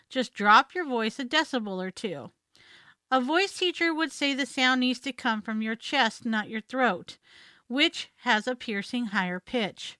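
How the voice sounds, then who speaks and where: A woman's voice: sits high, bright, forceful tone, clear, resonant tone, no echo. A woman hosting a podcast, reading scripted tips in an instructive way on a close studio mic. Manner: instructive, demonstrates commands with voice. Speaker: podcast host. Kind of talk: scripted narration.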